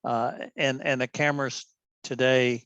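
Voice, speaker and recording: A man's voice: medium pitch, little pitch movement, a little slow, a bit bright, smooth, no echo. A man hosting a club's video meeting, telling a rambling story full of fillers and restarts. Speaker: club meeting host. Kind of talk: casual chat on a video meeting. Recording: dull dry mic sound.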